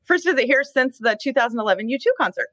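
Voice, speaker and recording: Woman panelist on a video call from home, dry close sound, easygoing storyteller, quick to laugh. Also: high-pitched, animated, fairly bright tone, no room sound. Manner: friendly, talkative, laughs easily. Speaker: podcast panelist. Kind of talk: casual chat. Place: home in Seattle.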